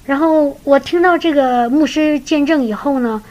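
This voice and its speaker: A woman's voice: high voice, moderate pace, darkish tone, lo-fi sound. A woman preaching, telling a faith story in an earnest way and often repeating words as she goes. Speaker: preacher sharing a testimony. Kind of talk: sermon-style storytelling.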